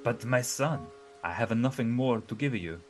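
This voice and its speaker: A man voicing a kindly, patient old woodcarver father, speaking louder and higher than his narration, emphatic and a little scolding. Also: moderate pace, faint music behind, lightly acted. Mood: fatherly.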